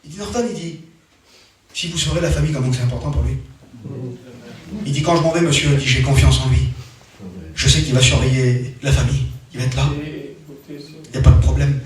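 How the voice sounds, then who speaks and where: A man's voice: medium pitch, steady tone, a little fast, pauses often. A man preaching a sermon as a personal story, emphatic and repetitive, often restarting his sentences. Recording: very echoey hall, mic far off.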